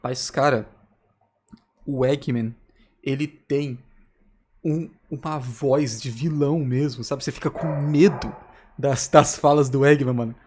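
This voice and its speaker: A Brazilian man hosts a reaction video, reacting casually and telling stories in a slangy, rambling, repetitive way. His mid-range voice is fairly even and a little mellow, moving a bit slowly, with slight background noise.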